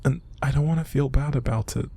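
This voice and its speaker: A man acting an upset, exhausted young man in an intimate audio roleplay, speaking in a hushed, halting, breathy and gravelly voice. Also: medium pitch. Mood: sad, resigned. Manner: halting, sighing, hushed, naturalistic delivery. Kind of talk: intimate audio roleplay monologue to an unseen listener.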